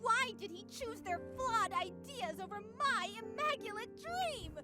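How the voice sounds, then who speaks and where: A woman's voice: very high-pitched, animated, measured pace, over music. A woman playing a cheerful but tyrannical, self-righteous artificial being, narrating a scripted visual novel. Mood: anguished, self-justifying.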